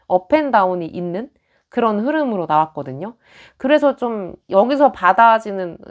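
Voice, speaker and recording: A young woman in a casual tarot reading, talking chattily and acting out little quoted lines. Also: medium pitch. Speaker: tarot reader.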